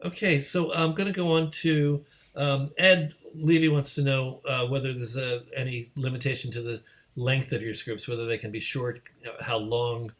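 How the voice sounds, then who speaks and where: A man's voice: medium pitch, fairly even intonation, moderate pace, a bit bright. A man hosting an informal online discussion, putting questions to a guest over a video call. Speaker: host, moderator relaying audience questions. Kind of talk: informal moderated interview.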